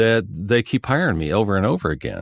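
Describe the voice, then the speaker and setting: Recorded very cleanly with a silent background and a dry, close sound with no echo, the speaker has an American accent, vocal fry, very wide pitch swings and a moderate pace. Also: man. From Midwestern US. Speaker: voice actor. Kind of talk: interview answer.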